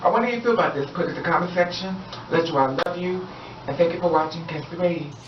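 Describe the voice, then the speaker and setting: A woman vlogger talks quickly in a lowish voice, offering her opinions in a casual, emphatic monologue full of repetition and encouraging preaching. Background noise sits under the roomy, distant, dull lo-fi recording.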